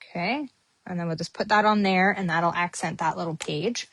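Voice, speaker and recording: A woman's voice: fairly low pitch, moderate pace, fairly bright tone. A woman hosting a casual papercrafting tutorial, chatting with many ums as she works on her project. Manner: chatty, many ums, talks while working. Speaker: papercrafting host.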